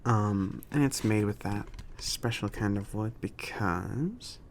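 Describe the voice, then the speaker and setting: Male actor as friendly mage shopkeeper, ASMR roleplay, hushed, hesitant, unhurried, crackly fry, faint ambient noise. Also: lowish voice. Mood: helpful, relaxed. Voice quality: soft, breathy, often near-whispered. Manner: hesitant, halting, casual. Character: friendly, awkward mage shopkeeper explaining alchemy.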